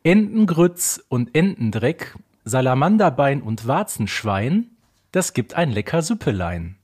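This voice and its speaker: A man's voice: medium pitch, sing-song, a little slow, darkish tone, husky. A man co-hosting a podcast, bantering casually through a quiz. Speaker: podcast co-host.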